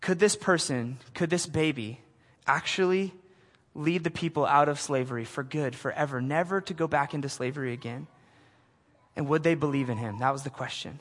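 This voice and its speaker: A man's plain, everyday voice, with a plain, everyday voice at a fairly high pitch, ordinary pitch variation, a fairly quick pace and an American accent. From US Pacific Northwest (Portland, Oregon). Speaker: youth pastor. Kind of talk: sermon.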